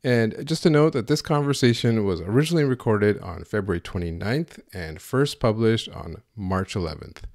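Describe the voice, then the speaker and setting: A man's voice: lowish voice, expressive, moderate pace, hardly any pauses, a little mellow, no echo, clean studio sound. A man hosting a podcast, introducing his guest and asking loose, rambling questions. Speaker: podcast host.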